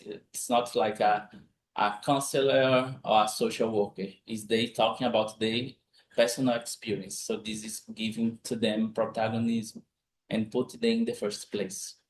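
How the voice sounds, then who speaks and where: A young man from Brazil, a native Portuguese speaker with a Brazilian accent, giving an academic conference presentation in informal, halting English with frequent restarts. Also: medium pitch, steady tone, low-quality recording.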